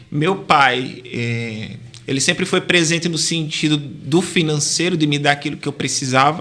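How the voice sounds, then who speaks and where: Noticeable background noise is present. A man's voice sits fairly high in pitch. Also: ordinary pitch variation. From Northeast Brazil, Natal (Rio Grande do Norte). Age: 30s. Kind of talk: testimony.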